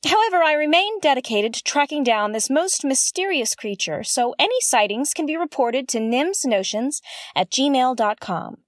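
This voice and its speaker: A woman's voice: high voice, animated, moderate pace, no echo, clean studio sound. A woman playing an earnest, intense investigator who hosts a conspiracy podcast in an audio drama. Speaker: podcast host. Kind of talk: scripted audio drama narration.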